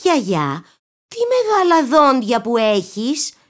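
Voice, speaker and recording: A high, eager little girl in a red hood from a storybook, put on by a woman reading aloud. Her thin voice jumps up well above an ordinary speaking voice and turns pleading. She is sweet, innocent and quick to worry. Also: lively intonation. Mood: wary. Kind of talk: storybook character voice.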